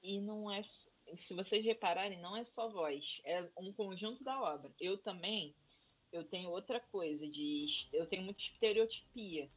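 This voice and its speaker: A woman's voice: mid-range voice, normal speed, breathy edge. A Brazilian woman, a teacher, talking animatedly in a casual podcast discussion. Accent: Brazilian Portuguese. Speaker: podcast panelist. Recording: dull lo-fi audio.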